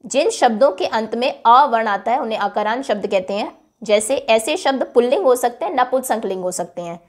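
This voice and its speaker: A woman's voice: a little high, expressive, fairly quick. A woman teacher giving a classroom lesson, patiently repeating each word and then explaining its meaning, with English words mixed into her talk.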